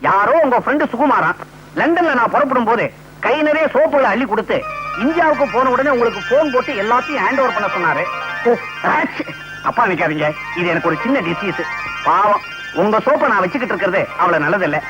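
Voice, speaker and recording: Brief: bumbling comic hero, theatrical, swoops all over, stiff English asides. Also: male voice, high voice, lively intonation, quick pace. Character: bumbling young man, fussy and excitable. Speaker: comic hero posing as a London visitor. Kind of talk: 1980s Tamil film comedy acting. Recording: dull lo-fi old film soundtrack with music.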